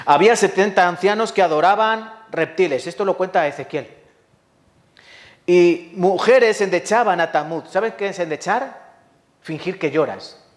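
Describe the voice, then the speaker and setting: A man preaching a sermon with a Spanish accent from Spain, telling stories dramatically with rhetorical questions and acted-out sounds. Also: fairly high pitch. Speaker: pastor. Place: church hall.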